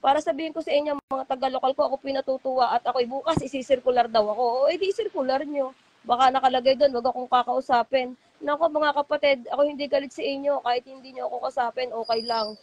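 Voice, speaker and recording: A middle-aged woman with a high, darkish voice and fairly even intonation talks at a quick pace over slight background noise. As a guest and former church member on an emotional call-in interview, she rambles from the heart and acts out what others said to her in their voices.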